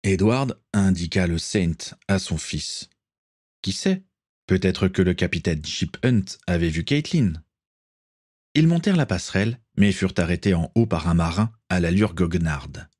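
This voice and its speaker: A man narrating an audiobook in an expressive, wide-ranging reading, close on the mic. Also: low-pitched, moderate pace, no echo. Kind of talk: scripted narration.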